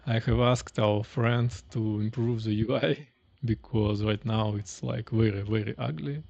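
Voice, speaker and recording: A man's voice: lowish voice, fairly even intonation, unhurried, creaky, a little mellow, dull audio. A man, chatting casually while live-coding and thinking aloud on a stream from a small room. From Russia. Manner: thinking aloud, chatty, reading chat questions. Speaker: streamer, indie developer.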